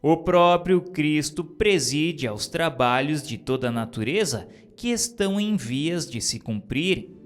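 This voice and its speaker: A man giving a solemn, formal reading of a spiritist text aloud, with occasional stumbles over the words. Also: medium pitch. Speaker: reader.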